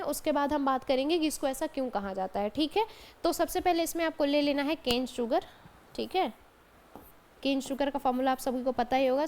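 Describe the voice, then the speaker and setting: High-voiced woman lecturing on chemistry. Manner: explains step by step, often adds "ठीक है" and calls students "बेटा". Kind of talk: classroom lecture. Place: college classroom.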